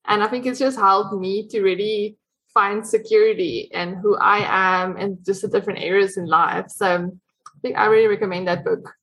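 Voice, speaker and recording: A woman guest on a podcast, chatting softly and agreeably in her own home. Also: mid-range voice, fairly even intonation, moderate pace, husky, rough recording. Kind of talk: casual chat.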